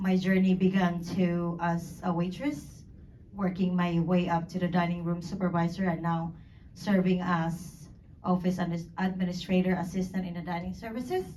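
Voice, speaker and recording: A woman with a non-native accent speaks at a moderate pace, somewhat breathy and fairly low in pitch. Her tone is dark and mellow, her intonation monotone and flat, with audible room echo. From Philippines. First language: Filipino language. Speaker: dining services administrative assistant. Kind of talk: personal testimony.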